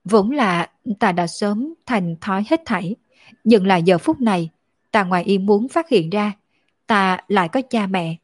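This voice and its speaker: A tearful young orphan woman, lonely and grieving, voiced by a female audiobook reader. Her words come slow and choked, at a middling pitch. The sound is dry and close, with no room around it. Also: animated, no echo. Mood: sorrowful.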